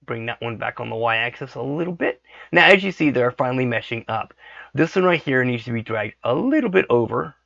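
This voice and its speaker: A man with a hoarse voice from a lingering cold walks through a tutorial at his computer. His voice is gravelly and bright. The recording is dry and dull, like a cheap desk mic. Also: mid-range voice, animated, a little fast, dry recording. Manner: thinks aloud, frequent "okay" checks. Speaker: 3D modeling tutorial host. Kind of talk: casual screen-recorded tutorial.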